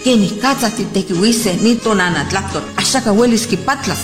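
A woman's voice: medium pitch, expressive, moderate pace. A woman whose first language is Nahuatl, from Mexico, speaking firmly and earnestly in a documentary interview. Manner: earnest, firm, proud. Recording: music bed underneath.

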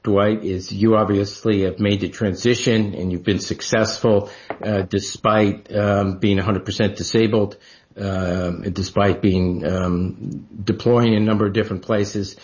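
A male radio guest who speaks in a measured, thoughtful way with frequent fillers. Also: fairly low pitch, steady tone, a little mellow, highs cut off. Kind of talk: radio discussion.

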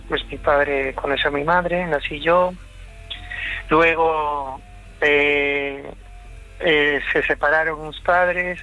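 A man from Chile calling in to a late-night radio show, telling a family story in a halting, reflective way. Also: on the high side, bright, forceful tone, highs cut off. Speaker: caller.

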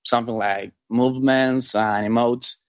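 Young male guest, Argentine Spanish accent, mid pitch, halting phrasing, dry recording. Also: fairly even intonation, no room sound. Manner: halting, non-fluent English. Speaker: interview guest, event organiser.

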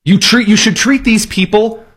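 A man from Indiana delivers political commentary with a sarcastic, mocking edge. His voice sits a little high and husky, and he breaks into jokey asides. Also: moderate pace, a bit bright. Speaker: commentary host.

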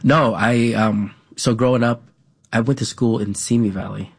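A man who grew up speaking Vietnamese at home, talking as an interview guest in a halting way, with many fillers and an added "right?". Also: medium pitch, fairly even intonation, gravelly, breathy edge. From United States. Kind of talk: casual conversational interview.

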